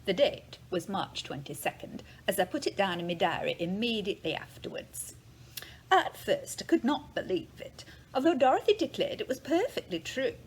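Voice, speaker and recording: A woman's voice: mid-range voice, very animated, normal speed, husky. A woman playing a respectable, earnest nurse of thirty, giving precise, theatrical testimony in a dramatic reading. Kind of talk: dramatic reading of a witness account. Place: large living room, indoors.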